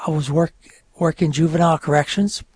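A middle-aged man who grew up speaking French tells his story as a radio guest, wandering and halting. His voice is husky and a little high for a man. The sound is dry and close. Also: fairly even intonation, darkish tone, no echo. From northern New York, French-speaking home. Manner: rambling, halting with many fillers. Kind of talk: casual radio interview storytelling.

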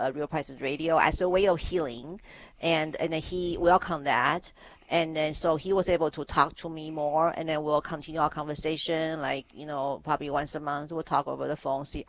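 A middle-aged man from Taiwan speaks as a radio guest in a fairly high voice. He answers earnestly, halting and restarting his sentences as he goes. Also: fairly bright tone. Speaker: guest, grief ministry worker.

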